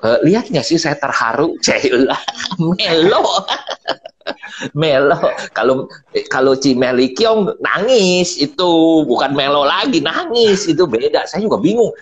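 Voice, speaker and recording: A man's voice: on the high side, a little slow, muffled recording, a little hiss or hum. A middle-aged man giving a casual motivational business talk, acting out quotes and laughing often. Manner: animated storyteller, acts out quotes, laughs often. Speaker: business speaker on a live stream. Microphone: phone mic.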